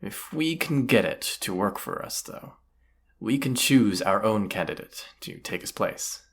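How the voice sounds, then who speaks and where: A man's voice: lowish voice, expressive, measured pace. A man playing a cocky, teasing, commanding bandit leader in a roleplay audio drama, casual and swaggering. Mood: scheming, skeptical. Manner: casual, teasing, swaggering, rhetorical tag questions.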